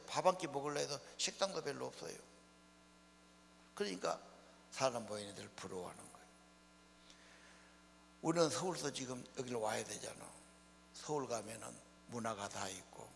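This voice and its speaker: A gravelly, mid-range voice with a fairly bright tone belongs to an older Honam pastor giving a folksy sermon in a church hall. He keeps asking the congregation rhetorical questions between plain remarks. Reverb and mains hum mark the recording.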